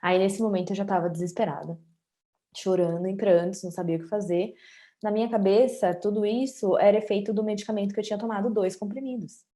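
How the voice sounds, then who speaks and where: Brazilian woman, late 20s, interview guest; warm, mellow voice, candid chatty storytelling. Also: medium pitch, steady tone, fast talker. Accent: Brazilian Portuguese. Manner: candid, conversational, often adds tag questions.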